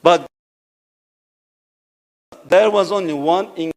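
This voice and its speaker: Male academic speaker, fairly high voice, lecturing in an auditorium, rhetorical, keeps checking in with listeners. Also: slow pace, darkish tone. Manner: rhetorical, checks in with "right?" and "you see". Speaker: conference speaker.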